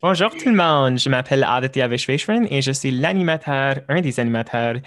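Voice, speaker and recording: A man's voice: medium pitch, lively intonation, brisk, fairly bright tone. A young man hosting a podcast, chatting loosely and slipping into English mid-sentence. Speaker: podcast host. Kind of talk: casual podcast chat.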